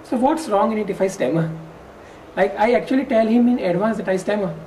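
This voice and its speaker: A woman's voice: mid-range voice, a little fast, dark tone. A woman who stammers, repeating first syllables, and answers interview questions hesitantly with many fillers and restarts. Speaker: stammering workshop participant. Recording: distant mic with faint background noise.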